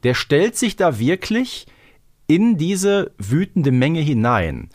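A man's voice: fairly high pitch, very animated, takes it slowly, a little mellow. A man hosting a podcast, discussing things with a fan's enthusiasm in an effusive, emphatic way. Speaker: podcast host.

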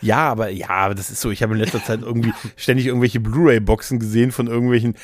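A man's voice: mid-range voice, fairly even intonation, fast talker, slight background noise. A man chatting casually as a podcast host, rambling and jokey, often interrupting himself. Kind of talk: casual chat about games and films.

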